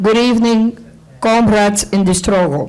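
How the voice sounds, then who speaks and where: A woman's voice with ordinary pitch variation, plus audible room echo and noticeable background noise. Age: 70s. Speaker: union leader and activist, event moderator. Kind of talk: public speech.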